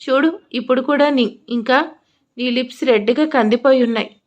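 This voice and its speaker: A woman voicing a gentle young man who soothes and pleads. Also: high-pitched, moderate pace, dull audio, natural voice. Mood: soothing.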